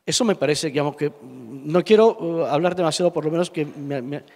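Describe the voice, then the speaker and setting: A middle-aged Sicilian man whose first language is Italian, speaking with an Italian accent on a stage panel into a handheld mic. He talks with passion and emphasis, halting on fillers and repeated words. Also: a little high, vocal fry, a little mellow. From Sicily, Italy. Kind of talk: public panel talk. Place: large indoor hall, panel on stage. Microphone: handheld microphone. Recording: reverberant hall.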